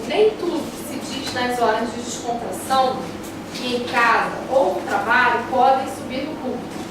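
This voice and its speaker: A woman's voice: a little high, moderate pace. A woman with a Brazilian accent giving a classroom lecture as a teacher, in a didactic way, repeating key phrases for emphasis. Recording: echoey room, distant mic, noisy.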